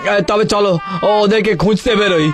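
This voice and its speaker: A man's voice: high voice, steady tone, a little fast, lightly acted. A man voicing a worried village farmer who frets and stammers in exasperation, in a cartoon. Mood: fretful. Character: worried middle-aged village farmer, fretful. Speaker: farmer husband. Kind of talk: cartoon voice acting. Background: background music.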